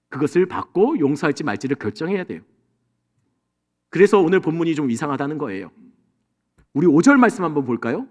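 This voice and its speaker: A man's voice: sits high, fairly bright tone. A male senior pastor preaching a Sunday sermon to his congregation, throwing rhetorical questions at them. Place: church sanctuary. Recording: long hall reverb.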